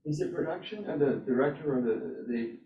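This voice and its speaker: A man's voice: on the high side, expressive, fairly quick. A man casually asking questions and making remarks as a club member in the audience. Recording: echoey room, distant mic, muffled sound.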